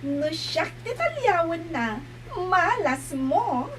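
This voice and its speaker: A woman speaking in a slow, drawn-out way in an Ilocano audio drama. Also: very high voice, very animated, background noise.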